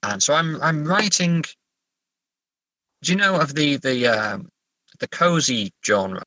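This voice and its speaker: A man talking casually as a writer being interviewed, halting as he thinks aloud. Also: on the high side, animated, pushed and bright, no room sound, low-quality recording. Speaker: writer, podcast guest. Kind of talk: casual interview chat about writing.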